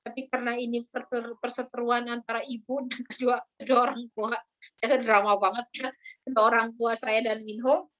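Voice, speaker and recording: A woman teaching a language class, chatty, with many drawn-out fillers, calling on her students by name. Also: on the high side, level tone, fairly bright tone. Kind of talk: online class lecture.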